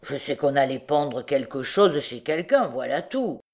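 A woman's voice: very deep voice, very animated, darkish tone, heavily acted. Woman reading a dazed, dim vagabond. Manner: slow, blunt short answers. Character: dull-witted drunken vagabond man, dazed.

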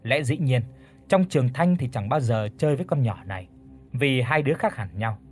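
A man narrating an audiobook story with a steady, even reading. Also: mid-range voice, moderate pace, husky.

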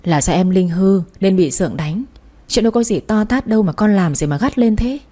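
A woman's voice: mid-range voice, lively intonation, brisk, mellow, lightly acted. A woman voicing a short-tempered mother who scolds her daughter and turns timid before her husband. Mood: defensive. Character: harsh, short-tempered mother of two girls.

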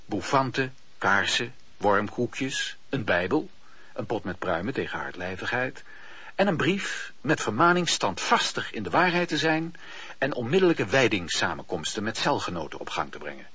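A man narrating a historical radio drama in a measured, wry, literary storytelling manner. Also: on the low side, big pitch swings, pushed and bright, husky, no room sound, heavily acted. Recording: muffled lo-fi radio drama recording.

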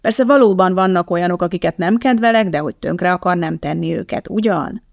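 A woman's voice: lowish voice, creaky, no room sound, studio quality. A woman voicing a cheerful, confident young male scientist in an audiobook, with an upbeat, reassuring manner. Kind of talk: audiobook character voice.

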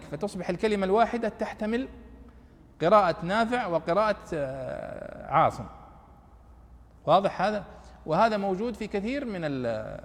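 A man's voice: on the high side, in a large hall. A middle-aged man giving a lesson on Quranic exegesis, explaining patiently and often checking that his listeners follow. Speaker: teacher. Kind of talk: classroom commentary on Quranic exegesis.

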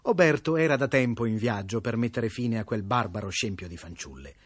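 A man narrating a classic tale for radio in a lively, wry storytelling manner. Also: on the low side, fairly quick, no echo.

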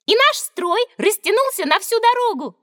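A woman voicing a clever schoolgirl who makes quick, thoughtful comparisons in a children's audio drama. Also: extremely high pitch, sing-song, a bit bright, dry recording, full character voice. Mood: bright. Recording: dry studio recording.

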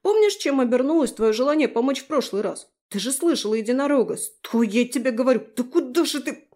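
A woman's voice: medium pitch, normal speed, a little mellow, lightly acted. A woman voicing a cheeky, fussy male fairy who teases and scolds, in a fantasy audiobook. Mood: scolding. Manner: teasing, scolding.

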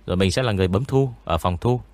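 Deep-voiced man, eerie tone. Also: no room sound. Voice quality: eerie, spooky-sounding voice. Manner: relaxed, rambling, with frequent pauses. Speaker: ghost story narrator and studio owner. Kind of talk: casual interview chat.

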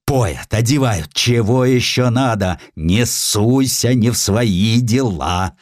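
A man's voice: mid-range voice, takes it slowly, no room sound, clean studio sound, pitched above the performer's own voice, close to an everyday voice. A man voicing an angry father scolding his child, emphatic, in an audiobook story.

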